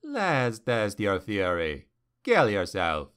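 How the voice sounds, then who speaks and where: A man voicing a sly, amused ancient male demon who speaks slowly and knowingly. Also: on the low side, huge pitch swings, a bit bright, smooth, full character voice. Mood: mocking. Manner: slow, knowing, mocking.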